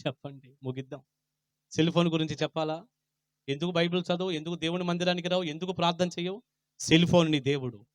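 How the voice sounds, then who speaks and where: A man pastor preaching a Christmas sermon, confronting his congregation with rapid rhetorical questions, swinging from loud to quiet. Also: fairly high pitch, fairly even intonation, no room sound.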